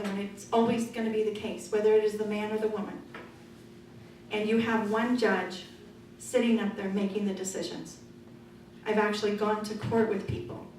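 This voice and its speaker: A middle-aged woman speaking as a political candidate at a forum, loud and forthright in a conversational way. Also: medium pitch. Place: meeting room. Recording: echoey room from far off, noisy.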